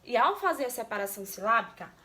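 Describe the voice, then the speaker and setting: Teaching young pupils over a remote lesson, this primary school teacher explains things step by step and keeps asking them questions. She speaks quickly in a fairly high, sharp voice with big swings in pitch.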